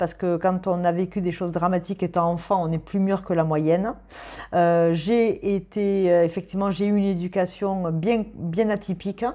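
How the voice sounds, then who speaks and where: This woman talks at a moderate pace and medium pitch. Her tone is dark and mellow, her intonation monotone and flat. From southern France. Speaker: tarot reader and astrologer. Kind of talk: tarot reading video monologue. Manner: casual, hesitant with fillers.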